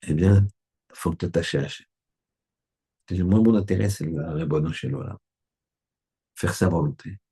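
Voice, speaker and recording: A man's voice: sits low, moderate pace, long pauses, dark tone, husky. A man, a rabbi, giving a Torah lesson in a conversational way, often checking that his listeners agree.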